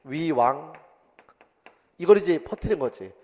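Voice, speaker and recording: A man teaching an exam-prep history lecture in a lively, colloquial way, full of asides and rough everyday speech. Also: on the high side, measured pace, big-room sound. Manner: lively, colloquial, acts out quotes with swearing.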